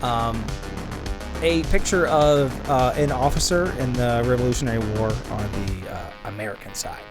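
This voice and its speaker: A man narrating a tabletop game as game master in an informal, halting, self-deprecating way, improvising as he goes. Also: medium pitch. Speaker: game master and podcast host. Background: background music.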